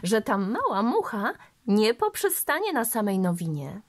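A woman voicing a jovial English gentleman and father, teasing and hearty. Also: mid-range voice, sing-song, a little slow.

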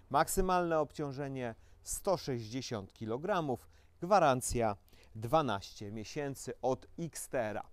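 A young man presenting a quad bike for a dealership, reading out its specifications in a steady, matter-of-fact way and inviting viewers to subscribe. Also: mid-range voice, no echo. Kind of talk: product presentation.

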